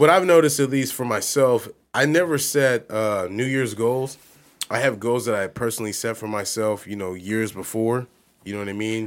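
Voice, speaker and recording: A plain, everyday voice with an American accent speaks at a moderate pace. The recording is very clean, with a silent background. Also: man, medium pitch for a man, ordinary pitch variation. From US West Coast, San Diego. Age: 20s. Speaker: podcast co-host. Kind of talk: casual chat.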